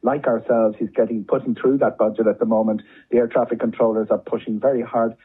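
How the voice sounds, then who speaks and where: A man's voice: mid-range voice, level tone, quick pace, slightly rough, narrow, tinny audio. A man with an Irish accent, a travel journalist giving conversational, discursive commentary as a guest, often repeating words for emphasis.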